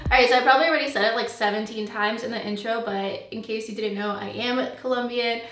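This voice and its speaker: A woman's voice: on the high side, steady tone, fast, a bit bright, far from the mic, soft background music. Chatty young woman in an echoey room. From USA. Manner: chatty, many fillers like "um" and "like". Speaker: beauty vlogger. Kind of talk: casual chat to camera. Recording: echoey room, voice slightly off-mic.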